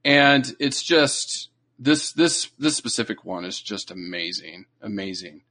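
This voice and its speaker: A podcast co-host explains animal facts in a loose, casual educational chat, often checking in with "you know" and "right?". His fairly low voice is bright and forceful, with lively intonation and an unhurried pace.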